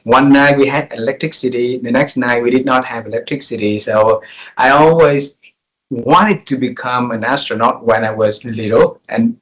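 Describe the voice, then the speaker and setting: A man's voice: mid-range voice, fairly even intonation, normal speed, poor audio. A man in his forties from Vietnam hosting an interview over a call, speaking English with many fillers and restarts. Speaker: interview host.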